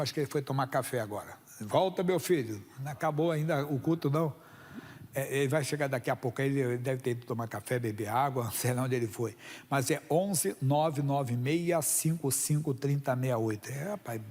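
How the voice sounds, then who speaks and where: A Brazilian pastor, a man, preaches with a husky, slightly high voice. He talks in an emphatic, folksy way and keeps turning to the congregation as brothers. His voice rings through a church hall with a long echo. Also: a little mellow. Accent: Brazilian Portuguese. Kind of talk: sermon. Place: church service.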